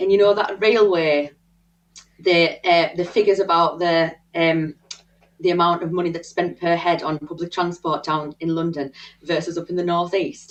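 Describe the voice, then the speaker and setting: Speaking with a northern English accent, a woman uses a fairly low pitch and monotone, flat intonation at a moderate pace. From northern England, Barnsley. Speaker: podcast co-host, political activist. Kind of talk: political discussion.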